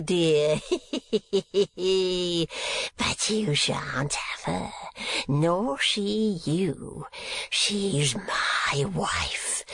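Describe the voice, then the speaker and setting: A man's voice: gravelly, slightly rough, no echo, heavily acted. A man voicing a spiteful, lecherous old miser in an audiobook, with a cracked, sneering voice. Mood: gloating mockery. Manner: sneering, wheedling, shrill outbursts. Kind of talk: dramatised audiobook reading.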